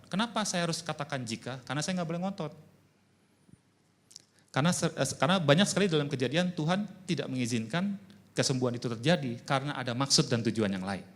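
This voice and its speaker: Male pastor, lively sermon storytelling, acts out both sides of each dialogue. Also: medium pitch, quick pace. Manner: animated storytelling, voices both sides of conversations.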